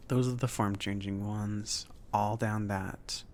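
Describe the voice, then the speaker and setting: A man playing a friendly, awkward mage who runs a potion shop, speaking softly and haltingly in a casual, chatty ASMR roleplay style. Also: on the low side, fairly even intonation, slight background noise. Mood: friendly, hesitant. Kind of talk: soft-spoken ASMR roleplay.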